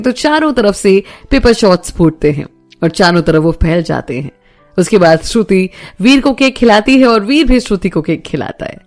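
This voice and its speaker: A woman narrating a romance audio story in a steady storytelling manner. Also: medium pitch.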